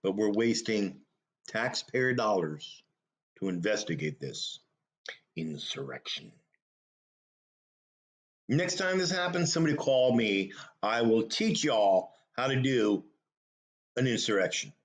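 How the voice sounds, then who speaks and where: A man's voice: mid-range voice, expressive, measured pace. Emphatic man hosting a talk show. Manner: emphatic, with rhetorical questions and short punchy repeats. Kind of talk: opinionated talk show commentary.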